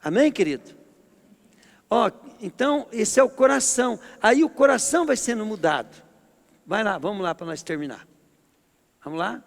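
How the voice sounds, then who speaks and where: A middle-aged man from Brazil preaching a sermon as pastor, with an emphatic, forceful way of speaking. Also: high-pitched, expressive, normal speed, vocal fry, pauses often. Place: church hall. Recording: long hall reverb.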